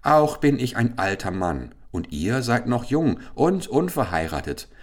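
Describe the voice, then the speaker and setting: A man's voice: mid-range voice, big pitch swings, measured pace, voice pushed up. A man playing an old grand vizier turned into a stork in a fairy-tale audiobook, grumbling and indignant.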